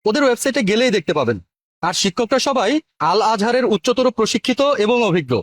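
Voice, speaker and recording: A male actor plays an eager father in a radio-style advertisement. He talks fast in a high voice, reassuring and persuasive. The sound is dry and close. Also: very animated, no room sound. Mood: helpful, persuasive. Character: friendly, eager father recommending an online Islamic school. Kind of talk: acted advertisement dialogue.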